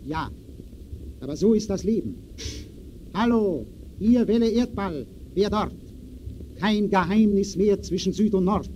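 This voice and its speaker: An actor playing a theatrical radio narrator who addresses listeners in rhetorical, rhymed verse in the style of a 1920s radio play. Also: male voice, sits high, unhurried, long pauses, dark tone. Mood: urgent, rhetorical. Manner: declamatory, rhetorical, rhymed delivery. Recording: dull, noisy early radio recording.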